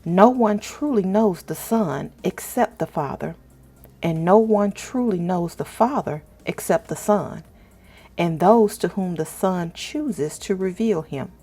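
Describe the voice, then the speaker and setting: A woman hosting a faith vlog and reading aloud in a measured, deliberate way. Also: on the low side, dark tone, breathy edge. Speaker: faith journaling channel host. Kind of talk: vlog narration and scripture read-aloud.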